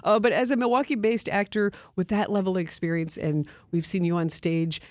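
A woman's voice: medium pitch, fairly even intonation, brisk, dry recording. An upbeat woman hosts a radio talk show and chats easily with her guest. Her voice sits in a middle range. It is recorded close and dry in the studio. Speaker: radio host. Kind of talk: radio interview hosting.

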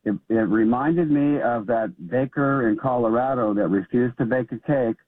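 A man from California calling in to a talk radio show, explaining his point haltingly with many restarts. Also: medium pitch, dry recording. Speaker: caller. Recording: phone line.

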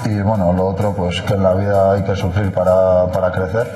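A man's voice: low-pitched, little pitch movement, a little fast, mellow. Earnest man in a roomy space. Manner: earnest, hesitant, many fillers. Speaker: interviewed goalkeeper. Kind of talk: interview clip. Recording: roomy sound with faint music.

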